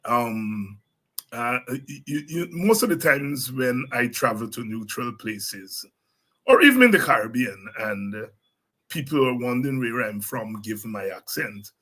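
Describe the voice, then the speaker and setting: A Guyanese man hosting a political talk show, speaking in a relaxed, animated way with laughing asides and frequent restarts. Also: mid-range voice, a little slow. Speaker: host. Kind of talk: casual political commentary.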